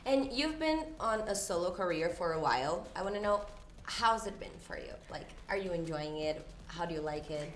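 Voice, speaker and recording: A woman's voice: on the low side, animated, normal speed, slight background noise. Eager woman interviewer, echoey room. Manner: friendly, eager, prompting questions. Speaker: interviewer, host. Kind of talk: casual interview questions.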